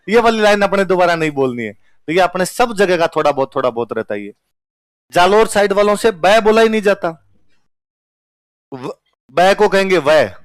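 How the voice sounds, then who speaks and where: A male teacher with a Rajasthani Hindi accent, talking to his class in a loose, anecdotal way and poking fun at himself. His voice sits fairly high for a man. The recording is close and dry. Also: no echo. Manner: conversational, anecdotal, self-mocking. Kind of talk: storytelling lecture to students.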